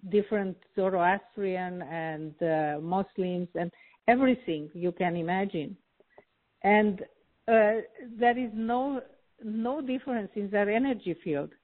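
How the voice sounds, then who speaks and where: A woman from Romania speaks in a slow, unhurried way, pausing often with fillers as she explains her work as a healer. Her voice comes through a thin, tinny line that sounds like a phone call. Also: mid-range voice. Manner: slow, hesitant, frequent filler pauses. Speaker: healer and guest. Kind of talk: interview conversation.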